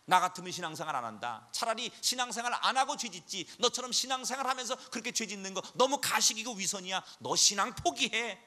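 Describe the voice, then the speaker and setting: A man's voice: sits high, expressive, fast talker, few pauses, bright, forceful tone, heavily acted. Satan, a sneering tattling devil, put on by a man. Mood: taunting. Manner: whiny, mocking tattletale voice.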